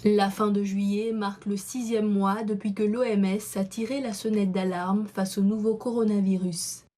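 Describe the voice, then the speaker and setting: A woman correspondent reading a scripted news report in a measured way. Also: mid-range voice, level tone, warm tone.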